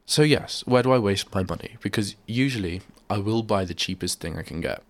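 Male host, deep and congested with a cold, rambling chat in a dry little studio. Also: brisk, dry recording. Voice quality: bunged-up, nasal. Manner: rambling, chatty, self-deprecating. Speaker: radio host. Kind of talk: casual solo radio chat. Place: small radio studio. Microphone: studio microphone.

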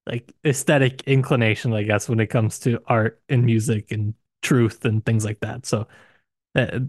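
A man co-hosting a casual book discussion podcast, hesitant and searching for words, with frequent restarts and sudden rises in pitch. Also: moderate pace, no room sound, studio quality. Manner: hesitant, many restarts and hedges, animated pitch jumps. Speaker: podcast co-host discussing a novel.

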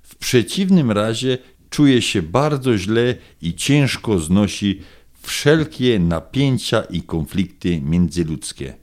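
A man's voice: fairly low pitch, expressive, slow, darkish tone. A man co-hosting a radio show, joking and reading horoscopes aloud. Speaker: radio co-host.

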